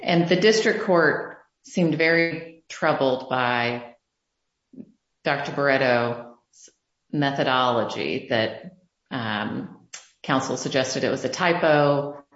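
A woman judge questioning formally from the bench in a measured, deliberate manner. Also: very deep voice, roomy sound, highs cut off. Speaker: appellate judge.

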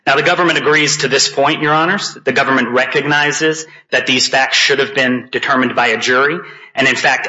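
A man's voice: medium pitch, pushed and bright. A man, a lawyer, delivering a formal oral argument and addressing the bench deferentially. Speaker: appellate lawyer. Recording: dull lo-fi courtroom audio.

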